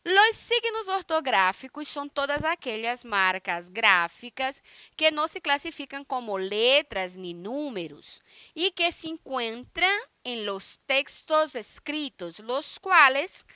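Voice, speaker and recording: A woman's voice: high-pitched, big pitch swings, slow, sharp tone, smooth, no echo. A woman with a Brazilian Portuguese accent teaching an online Spanish class, explaining step by step and checking in with her students. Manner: explanatory, keeps checking in with listeners.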